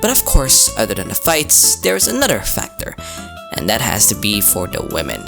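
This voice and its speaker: This is an androgynous-sounding commentator delivering a casual scripted video essay. The pitch sits mid-range and swings around a lot, with a gravelly edge. The delivery is crude, slangy and joking, with plenty of swearing, over clearly audible music. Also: wildly swooping pitch, moderate pace. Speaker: anime and manga video commentator.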